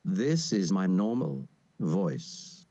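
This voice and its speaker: A synthetic male text-to-speech voice reading demo lines in a flat, robotic way, played through speakers on a video call. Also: deep voice, extremely slow. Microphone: computer speakers captured on a video call. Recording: muffled, dry, played over a video call.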